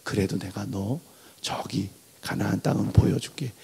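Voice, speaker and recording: A grave, hushed God speaks with quiet finality, as a man acts him out mid-sermon. The voice has a husky, gravelly grain. It echoes through a big church hall with a long tail. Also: mid-range voice, very animated, a little slow, heavily acted. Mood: quiet stern. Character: stern yet tender God, older male, grieved.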